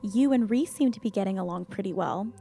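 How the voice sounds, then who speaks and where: A woman's voice: medium pitch, a little fast, gravelly, warm tone, soft background music, close to an everyday voice. A young woman playing a trusting, questioning twenty-something in an audio drama, casual and a little hesitant. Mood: doubtful, teasing.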